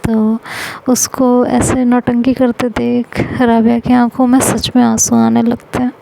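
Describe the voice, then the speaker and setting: Woman storyteller, gravelly, flat delivery, noisy recording. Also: a little high, unhurried. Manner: reads the characters' quoted lines in her own voice. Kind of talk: narrated audio story with character dialogue.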